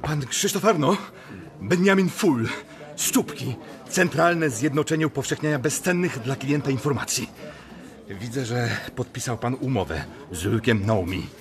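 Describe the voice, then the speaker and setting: A man's voice: mid-range voice, unhurried, close to an everyday voice. A man playing a blunt, pushy businessman in a radio drama, with a businesslike manner. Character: brisk, pushy businessman striking advertising deals.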